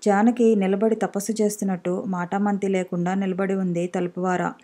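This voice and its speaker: A woman narrating an audiobook story in an expressive storytelling manner. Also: medium pitch, brisk.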